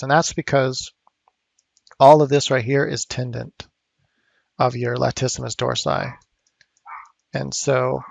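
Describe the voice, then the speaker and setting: Male art instructor, mid pitch, raspy fry, relaxed thinking-aloud delivery. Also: no echo. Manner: rambling, thinking aloud with fillers. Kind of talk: casual sculpting tutorial. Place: home studio.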